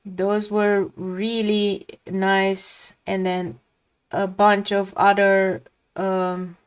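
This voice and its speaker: A woman's voice: mid-range voice, little pitch movement, very slow, smooth. A woman from Romania, speaking English as a second language, chatting casually and reflectively while she paints on a live stream, often trailing off mid-sentence.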